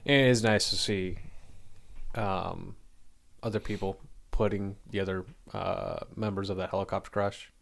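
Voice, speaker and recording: A man's voice: low-pitched, level tone, normal speed, creaky. Hesitant man co-hosting a podcast. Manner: hesitant, frequent ums while steering topics. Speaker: podcast co-host. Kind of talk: casual chat.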